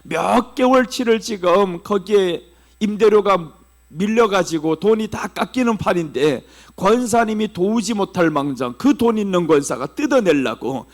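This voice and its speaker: High-voiced Korean pastor preaching. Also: male voice, expressive, moderate pace. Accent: Seoul Korean. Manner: preaching with wide swings between hushed low phrases and raised emphatic ones. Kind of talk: sermon.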